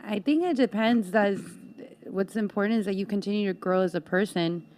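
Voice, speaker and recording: A woman guest on a podcast, speaking thoughtfully with small pauses. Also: mid-range voice, a little hiss or hum. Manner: soft-spoken, thoughtful, with pauses. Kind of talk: casual podcast chat.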